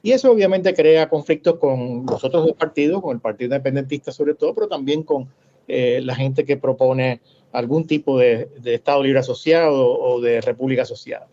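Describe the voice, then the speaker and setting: A man's voice: mid-range voice, dark tone, slight background noise. A middle-aged man born in Cuba, speaking Spanish with a Puerto Rican accent mixed with Cuban traces. He discusses at an academic pace, with frequent hesitations and restarts. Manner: measured, many hesitations and restarts. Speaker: scholar. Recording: dull lo-fi audio.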